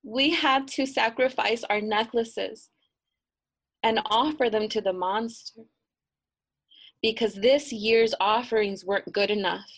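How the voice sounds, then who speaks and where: A woman's voice: fairly high pitch, slow, pitched above the performer's own voice. Woman doing a sneering mean girl ringleader. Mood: mock-tearful. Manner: taunting, sneering. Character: mean scornful teenage village girl, ringleader.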